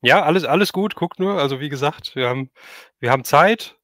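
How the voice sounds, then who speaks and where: A man's voice: on the high side, lively intonation, fairly quick, sharp tone, no room sound, clean studio sound. A man hosting a casual livestream interview, asking rambling questions and often chiming in with agreement. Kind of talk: casual chat.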